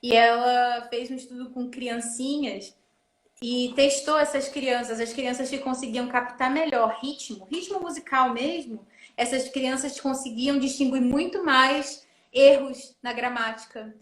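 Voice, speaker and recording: A woman hosting a casual live chat, talking in an animated way and acting out dialogue as she explains. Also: high voice, a little slow. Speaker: host. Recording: roomy echo.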